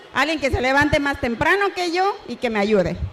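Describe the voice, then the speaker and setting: A woman speaks with a Latin American accent in a high pitch. Background noise is noticeable. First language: Spanish. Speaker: real estate investor, panelist. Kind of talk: panel discussion.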